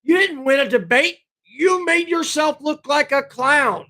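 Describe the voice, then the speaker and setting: Blunt, combative man, high bright voice. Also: measured pace. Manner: blunt, combative, talks straight to chat. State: losing his voice, clears throat. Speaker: livestream host. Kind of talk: political commentary livestream.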